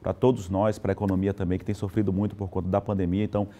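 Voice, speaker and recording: A male television anchor speaks in a low, warm, mellow voice. He talks in a relaxed, conversational way with small fillers. He is recorded on a lapel mic in a news studio. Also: racing. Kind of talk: live morning news presenting.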